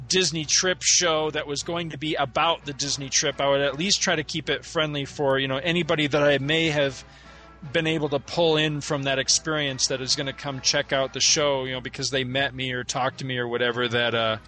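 A man's voice: on the high side, steady tone, normal speed, pushed and bright, soft background music. A man co-hosting a podcast, telling anecdotes in a casual, rambling conversational way. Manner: rambling, full of "you know". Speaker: podcast co-host.

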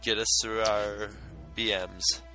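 A man's voice: fairly low pitch, level tone, slow pace, pushed and bright, faint music behind. A man co-hosting a podcast in casual chat, talking in a jokey, rambling way. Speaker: podcast co-host.

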